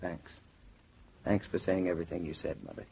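An actor playing a gentle, earnest young newlywed husband in a 1940s radio drama. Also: male voice, low voice, steady tone, moderate pace, vocal fry, breathy edge, heavily acted. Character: David, young newlywed husband, tender and reassuring. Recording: dull 1940s radio transcription.

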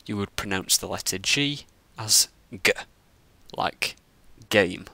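A man teaching the Latin alphabet, explaining each letter slowly and carefully. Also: low-pitched, flat delivery, gravelly, bright, forceful tone, dry recording. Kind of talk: scripted lesson narration.

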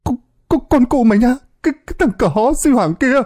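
A man voicing a terrified young man who shouts and stammers curses for help. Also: extremely high pitch, lively intonation, a little fast, voice pushed up. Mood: panicked yelling. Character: terrified young man swimming, cursing and screaming.

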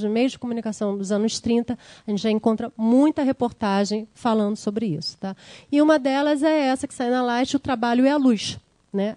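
A woman's voice: fairly high pitch, mellow, dry recording. A woman giving an academic lecture, explaining slides and checking in with the audience. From Brazil. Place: lecture room.

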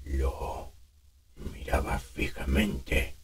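A man voicing a very old smoker telling a story slowly and laboriously in a deep, raspy voice. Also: a little hiss or hum. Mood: worn, brooding. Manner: slow, laboured storytelling. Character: very old male smoker and drinker, narrating.

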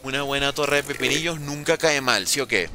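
A Venezuelan man streaming a game live, chatting with viewers and reacting in quick bursts. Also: medium pitch, a little hiss or hum. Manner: lively, banters with chat, talks fast in bursts. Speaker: gaming streamer. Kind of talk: live gameplay commentary reading chat.

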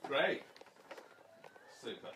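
A middle-aged man speaking as a radio presenter, chatting and making live introductions in a noisy room. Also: drawn-out words. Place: indoor office room at a radio station. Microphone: handheld reporter microphone with headphones. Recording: noisy room recording on camera.

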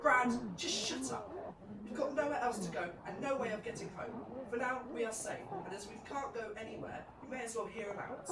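A woman's voice: on the high side, brisk, close to an everyday voice. A level-headed survivor played by a woman in an amateur zombie drama. She sounds practical, set back from the mic in a roomy space with very heavy noise. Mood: firm, questioning. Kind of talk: amateur audio drama acting. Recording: very noisy, distant, roomy recording.

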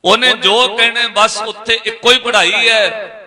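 A male preacher telling a story in a sermon, dramatic, swinging between loud and hushed. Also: high voice, fairly even intonation, measured pace.

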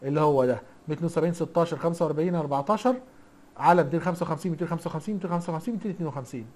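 With a slightly high, darkish voice and very rapid delivery, an IT instructor teaches a laid-back recorded lesson in an Egyptian accent. Teasing and talkative, he peppers the class with rhetorical questions.

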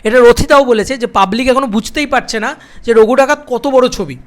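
A young man chatting to camera as a film vlogger, excited and piling up repeated phrases. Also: very high-pitched, a little fast. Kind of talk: casual direct-to-camera film chat.

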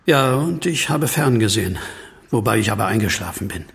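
Husky, troubled, brooding man. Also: fairly low pitch, animated, fairly quick, a bit bright, exaggerated voice. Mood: uneasy. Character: troubled, anxious man who fears he is a werewolf. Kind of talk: German horror audio drama acting.

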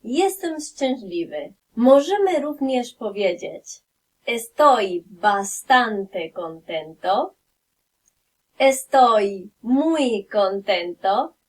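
Slow, high-voiced woman teaching a lesson. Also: animated, far from the mic. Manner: slow, clearly spoken example phrases. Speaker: Spanish teacher. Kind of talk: language lesson for beginners.

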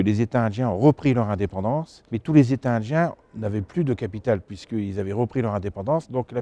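A man's voice: mid-range voice, dark tone, no room sound. A man in his fifties from France, an antiques dealer answering informally in an interview. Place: exhibition hall stand, indoors. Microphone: lapel mic.

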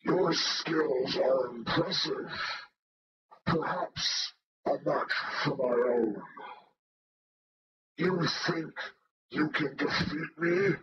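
A man voicing a menacing cyborg alien general through a voice changer filter, with a breathy, sickly wheeze and slow, drawn-out threats. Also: on the high side, pitched above the performer's own voice. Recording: roomy, dull lo-fi voice-changer audio.

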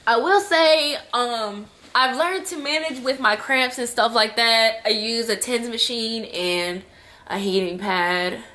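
A woman's voice: mid-range voice, bright, forceful tone. A young woman talking to her viewers in a personal vlog, emotional and crying at times, calling them y'all. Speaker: vlogger. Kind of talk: personal vlog talk to camera.

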